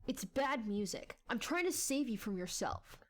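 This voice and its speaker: A woman's voice: on the high side, very animated, normal speed. A woman playing a moody, argumentative young boy in a dramatized audiobook, with a sulky, complaining manner.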